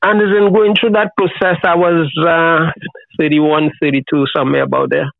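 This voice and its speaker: A man's voice: fairly high pitch, flat delivery, normal speed, gravelly, no room sound. A seventy-year-old man with a Trinidadian accent, talking in an easygoing, reflective, colloquial way as an interview guest over a call. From Trinidad and Tobago. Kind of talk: casual conversational interview. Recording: thin, phone-like call audio.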